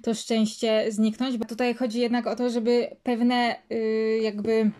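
A woman's voice: fairly high pitch, little pitch movement, unhurried, dark tone. A woman reads a literary passage aloud and then comments on it hesitantly, with many fillers. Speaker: reader and commentator. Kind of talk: reading a literary text aloud, then reflecting.

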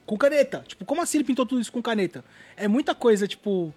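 A man tells stories at a rapid clip, his voice pitched high with a husky grain. He talks in an animated, slangy way and drops casual swears. He is a guest artist in a relaxed interview.

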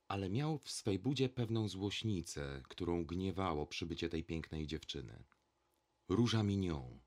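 Male audiobook narrator, deep low voice, measured, deliberate, scripted reading.

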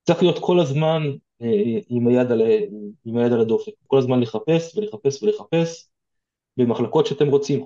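A man's voice: medium pitch, mellow, dull audio. A man with an Israeli accent giving informal, direct advice as an interview guest, explaining things conversationally.

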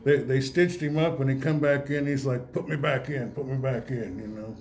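A man hosting a casual awards interview in a folksy, rambling, halting way. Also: medium pitch, steady tone, darkish tone. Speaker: radio host interviewing high school athletes. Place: indoor room with guests present.

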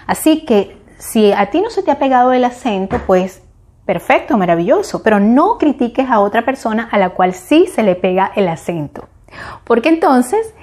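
A woman's voice: fairly high pitch, darkish tone. Reflective Venezuelan woman talking to camera. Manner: reflective, searching for words with frequent restarts. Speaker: vlogger. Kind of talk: casual monologue.

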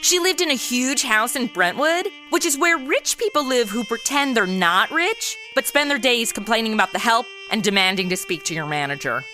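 A woman's voice: a little high, animated, moderate pace, hardly any pauses, over music, natural voice. A woman playing a brash, flippant twenty-something amateur detective in a comedy audio drama, with sassy, slangy delivery. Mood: wry. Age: 20s. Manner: sassy, slangy, self-absorbed wisecracking. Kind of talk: comedy audio drama acting with wry narration.

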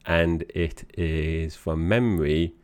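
A man's voice: a bass voice, slow pace, darkish tone, smooth, dry recording. A man with an Essex accent co-hosting a podcast in casual, chatty talk, often correcting himself as he goes. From Essex, England. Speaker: podcast co-host. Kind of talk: casual conversational podcast chat.

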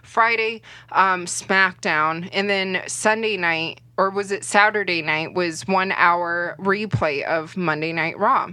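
A woman's voice: fairly low pitch, slow pace, hardly any pauses, sharp tone, no echo. A young woman whose first language is Cantonese, chatting as a guest sports reporter in a rambling way with plenty of fillers. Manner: chatty, rambling, heavy on fillers like "you know". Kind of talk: casual interview chat.

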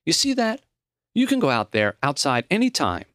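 A man reading the lines of a gentle, reflective old dying professor in a memoir audiobook, earnest and plain-spoken. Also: on the high side, huge pitch swings, normal speed, dry recording, studio quality, voice pushed up. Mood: wistful.

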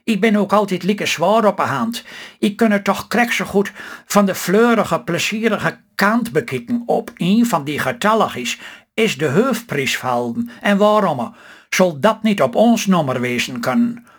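A woman's voice: lowish voice, unhurried, pitched above the performer's own voice. A man reading a storybook voice of a hopeful, chatty rural housewife who chides her husband, in Stellingwerf dialect. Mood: eager, chiding. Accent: Stellingwerf Low Saxon dialect. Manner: lively, chiding, optimistic.

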